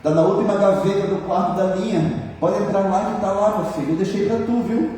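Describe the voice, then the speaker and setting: A man's voice: sits high, a little fast, warm tone, slight background noise, natural voice. A man voicing a deceptive spirit that poses as a dead father, speaking with a Gaúcho accent in a folksy, coaxing way. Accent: Gaúcho (southern Brazil). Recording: echoey church hall from far off.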